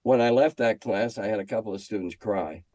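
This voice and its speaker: Deep-voiced older American man telling stories. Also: fairly quick, a little mellow, no room sound. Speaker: guest, former schoolteacher. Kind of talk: casual storytelling interview.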